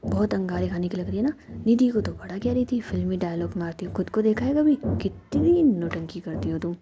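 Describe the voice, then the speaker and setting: A woman's voice: mid-range voice, animated, brisk, natural voice. A woman voicing a caring, scolding young woman. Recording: dull lo-fi recording with faint noise.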